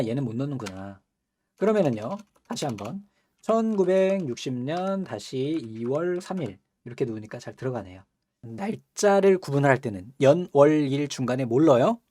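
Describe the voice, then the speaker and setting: A young man teaching a computer course over his screen, his voice mellow and warm with lots of rise and fall. He chats with his students, laughs easily and keeps tossing them quick questions. Keyboard typing clicks along behind him. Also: mid-range voice. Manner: chatty, asks students rhetorical questions, laughs often. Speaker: computer skills instructor. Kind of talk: screen-recorded software tutorial.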